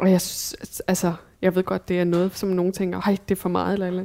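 A woman speaks at a fairly quick pace and a medium pitch. The recording is very clean, with a silent background. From Denmark, Afghan family. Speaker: debater and author. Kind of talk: casual chat over a meal.

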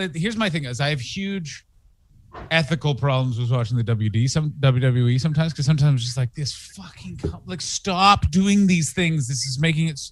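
Somewhat breathy, a man speaks at a fairly high pitch and a moderate pace with lively intonation. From Canada, Ottawa. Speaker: stand-up comedian. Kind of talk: casual chat.

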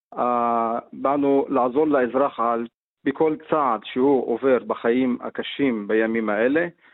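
A man speaks in a plain, everyday voice at medium pitch and a fairly slow pace. His loudness is very even and his intonation fairly even. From Golan Heights, Druze. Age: 40s. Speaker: party founder, former teacher. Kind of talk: radio interview.

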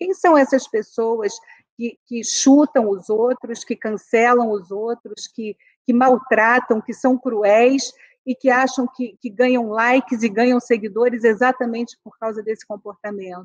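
A woman in a normal speaking voice talks at a fairly slow pace with fairly high pitch and fairly even intonation, her loudness swinging widely, in a dry, close recording with no echo. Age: 50s. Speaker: judge and writer. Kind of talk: interview.

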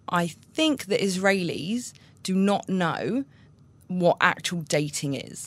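A woman with a London accent speaks at a medium pitch. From London, England. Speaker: sex blogger. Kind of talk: casual interview chat.

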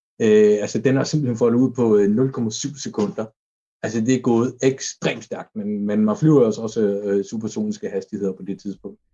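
A man's voice at medium pitch, with a moderate pace and fairly even intonation. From Faroe Islands. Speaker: space scientist. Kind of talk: interview. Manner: halting, many repetitions.

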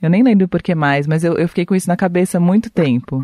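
In a very clean recording with a silent background, a woman with a fairly low pitch and a dark, mellow tone sounds dry and close, with no echo. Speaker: radio host. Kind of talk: interview.

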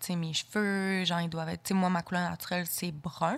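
A woman's normal speaking voice at a fairly low pitch, with a moderate pace and fairly even intonation. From Quebec, Saguenay (Jonquière/Arvida). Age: 20s. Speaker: model. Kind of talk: interview conversation.

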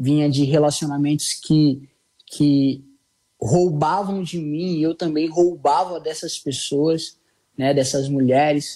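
In an Espírito Santo accent, a man with a fairly high pitch and a dark, mellow tone speaks very slowly with fairly even intonation. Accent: capixaba accent, slightly like carioca. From Brazil, Espírito Santo (Vitória). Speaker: footballer. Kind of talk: interview. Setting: virtual studio.

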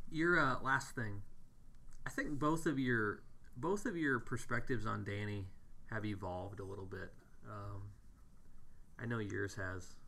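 Speaking at a fairly slow pace with long, frequent pauses, a man uses a fairly low pitch and a bright, sharp tone. His intonation is lively, and vocal fry runs through his voice. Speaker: podcast host. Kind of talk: interview.

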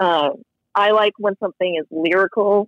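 A woman speaks at medium pitch in an unremarkable speaking voice with fairly even intonation. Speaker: podcast co-host. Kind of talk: casual chat.

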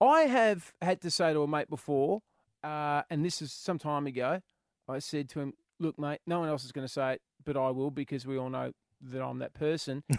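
A man with an unremarkable speaking voice talks at a moderate pace in a fairly high pitch with ordinary pitch variation, and the sound is dry and close with no echo. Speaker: radio host. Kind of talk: casual radio chat. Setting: radio studio.

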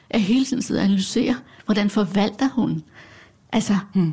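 A woman's medium-pitched voice, dark and mellow, with vocal fry. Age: 70s. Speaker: gender researcher. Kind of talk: casual interview. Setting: at her home.

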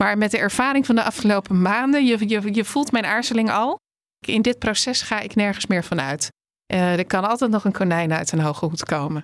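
With an ordinary speaking voice, a woman talks at a fairly quick pace, medium in pitch and lively in intonation. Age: 40s. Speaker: political reporter. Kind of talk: news podcast interview.

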